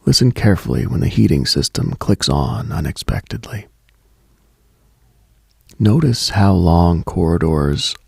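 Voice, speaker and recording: A man delivers a brooding late-night radio monologue in a hushed, contemplative way. His voice is low and heavily gravelled, with a close, dry sound. He reads like a mystical broadcast host speaking into the small hours. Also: dry recording.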